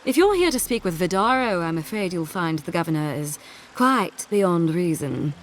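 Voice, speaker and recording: A woman playing a formal, measured and coolly menacing military captain in a video game. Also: lowish voice, expressive, a little hiss or hum, lightly acted. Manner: formal, measured, veiled threat. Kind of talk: video game character acting.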